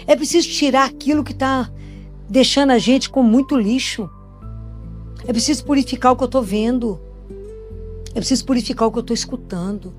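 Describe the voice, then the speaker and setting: A Brazilian woman preaching a sermon in a conversational way, asking many rhetorical questions. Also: high voice. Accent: Brazilian Portuguese. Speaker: Catholic speaker and pediatrician. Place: church gathering after communion.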